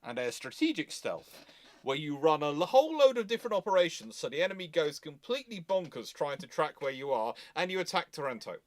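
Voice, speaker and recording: A man hosting a casual live history discussion, explaining things in a deliberate, wry way. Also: on the high side, sing-song, no room sound. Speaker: host.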